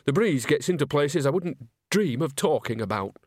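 A man's voice: fairly high pitch, expressive, normal speed, a little mellow, no echo, clean studio sound, voice pushed up. A man voicing a chatty elderly village witch in a storybook, bickering and wheedling in an airy, defensive way.

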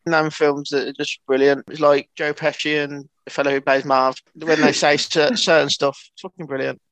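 A man's voice: on the high side, level tone, normal speed, a bit bright, dry recording, poor audio. A man co-hosting a podcast, rambling and swearing casually in casual banter. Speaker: podcast co-host.

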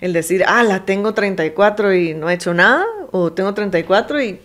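In a casual podcast chat, a woman co-host reflects thoughtfully, agreeing and laughing warmly between points. Her voice is medium-pitched and brisk.

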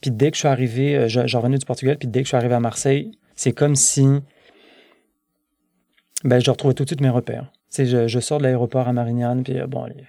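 A man in his thirties with a gravelly Québécois French voice, warm and relaxed in tone. He talks loosely, circling back with restarts and fillers. The sound is close and dry. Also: mid-range voice, quick pace, no room sound. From born in France, raised in Quebec. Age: 30s. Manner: rambling, many restarts and fillers. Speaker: guest. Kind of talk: casual conversation.

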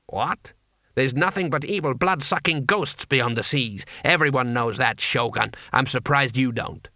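A man's voice: medium pitch, measured pace, sharp tone, dry recording, clean studio sound. A man voicing a cheerful, pushy street vendor with glib haggling patter, in an audiobook story. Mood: shrewd, wary.

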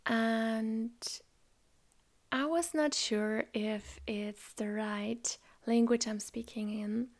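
A woman whose first language is German hosts a spiritual podcast, talking in a soft, slow, reflective way that often drops close to a whisper. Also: on the high side, steady tone. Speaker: podcast host. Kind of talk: calm spiritual podcast monologue.

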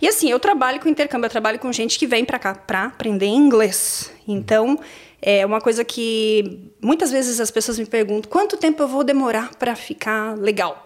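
A Brazilian woman in her thirties, an exchange agent guest, telling her story in an animated, exclamatory way in casual podcast talk. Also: on the high side, moderate pace. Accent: Brazilian Portuguese.

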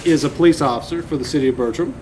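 A man's voice: mid-range voice, rapid-fire, over music. A man hosting an interview, chatty and joking as he introduces his guest. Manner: chatty, joking, rambling restarts. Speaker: show host. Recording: noisy room with background hum.

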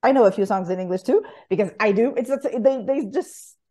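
A woman's voice: on the high side, a little fast, dark tone. A woman hosting a podcast, chatting enthusiastically and laughing often. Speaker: podcast host. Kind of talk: conversational podcast interview.

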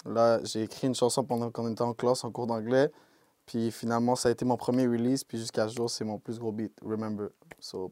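Laid-back young Québécois man, mellow voice. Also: mid-range voice, no echo, clean studio sound. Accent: Québécois French. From Quebec, Canada. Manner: laid-back, peppered with English slang like "yo" and "bro". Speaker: rapper, interview guest. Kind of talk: casual interview talk.

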